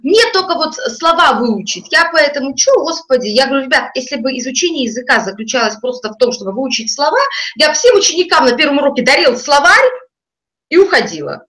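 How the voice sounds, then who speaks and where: A woman's voice: high voice, a little fast. A middle-aged woman, an English coach, telling stories in an interview and acting out the people she quotes. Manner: animated storyteller, voices the people she quotes. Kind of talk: lively interview talk with acted-out anecdotes.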